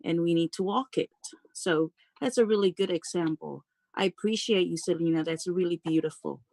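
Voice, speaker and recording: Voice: mid-range voice, normal speed, gravelly, darkish tone, dry recording. A board trustee speaking up at a public meeting over a video call, earnest and insistent, repeating key phrases.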